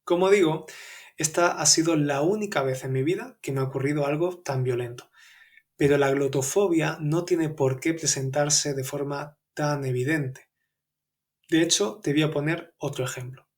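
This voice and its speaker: A young man with an Andalusian Spanish accent, hosting a language-learning podcast and telling a personal story in a clear, measured way. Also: a little high, a little mellow. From Andalusia, Spain. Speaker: podcast host and Spanish teacher.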